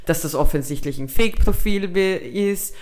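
With a lowish, darkish voice at a moderate pace, this young woman co-hosting a podcast has a Viennese Austrian German accent. Her casual storytelling is full of swearing and English slang, and she acts out both sides of the conversation herself.

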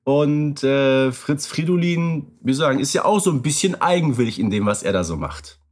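A man co-hosting a podcast, speaking in a measured and dryly ironic way. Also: mid-range voice, lively intonation, a little mellow. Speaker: podcast co-host. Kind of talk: casual podcast discussion.

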